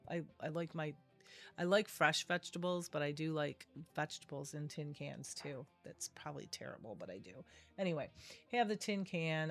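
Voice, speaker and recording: A middle-aged woman, nasal from a cold, chatting her way through a craft tutorial and often correcting herself. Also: low voice. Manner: chatty, rambling, self-correcting. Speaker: craft video host. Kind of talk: casual craft tutorial voice-over.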